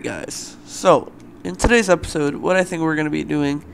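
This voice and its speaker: Young guy doing lets play commentary, kinda raspy morning voice, loose and filler-y, faint room noise. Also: fairly high pitch. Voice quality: loose, rambling, filler-heavy. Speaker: let's play host. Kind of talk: casual gameplay commentary.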